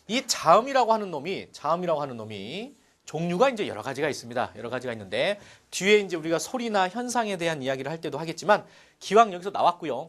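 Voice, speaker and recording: A middle-aged man teaching a Korean language lesson, explaining step by step and checking in with his students as he goes. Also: a little high. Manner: lively explaining, frequent "자" and rhetorical checks. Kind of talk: classroom lecture.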